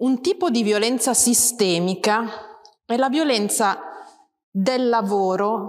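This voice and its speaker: A woman speaking very slowly against a quiet background. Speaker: novelist and economics journalist; economics journalist. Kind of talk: talk at a panel event. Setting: stage with audience. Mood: serious, measured. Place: hall. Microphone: handheld.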